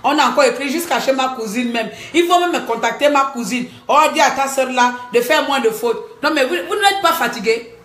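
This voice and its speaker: A woman talking to her viewers in a live-stream monologue, animated, scolding and joking by turns. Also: sits high, brisk. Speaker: livestreamer. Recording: echoey room.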